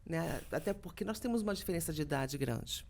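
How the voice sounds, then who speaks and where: Lively middle-aged woman telling stories. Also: low voice, a little fast. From Brazil. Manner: lively storytelling, acts out quoted dialogue. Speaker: voice actress, guest. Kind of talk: podcast interview chat.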